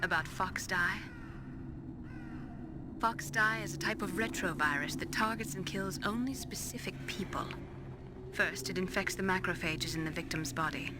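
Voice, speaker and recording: A woman playing a grave, remorseful scientist with secrets in a dramatic video game, explaining in a measured, clinical way. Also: on the low side, very noisy, close to an everyday voice. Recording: loud music behind the voice.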